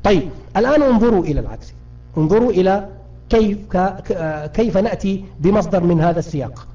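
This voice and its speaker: A man's voice: high-pitched, lively intonation, fast, mellow. A man teaching Arabic grammar in a live online lesson, patiently quizzing his students and often restarting or repeating words. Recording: muffled distant voice, lo-fi.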